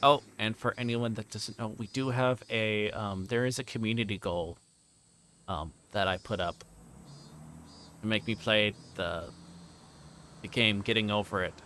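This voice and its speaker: A man's voice: on the low side, fairly even intonation, a little slow, long pauses, bright, forceful tone. Man livestreaming, faint background noise. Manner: rambling, joking with viewers. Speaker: livestreamer playing a visual novel. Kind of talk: reading game text aloud mixed with casual stream chat.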